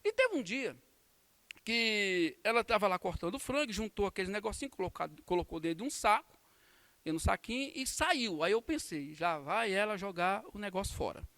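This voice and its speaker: Brazilian pastor guy, really high voice, dry close sound, acts out quotes in his sunday school story. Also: animated, fairly quick, no room sound. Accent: Brazilian Portuguese. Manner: storytelling with acted-out quotes and warm laughs. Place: church.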